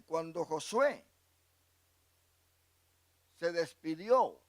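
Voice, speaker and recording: Lively high-voiced man preaching a sermon. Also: dry recording. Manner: preaching with sudden loud high bursts and quiet low asides; calls the listeners brother and asks them questions. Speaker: pastor.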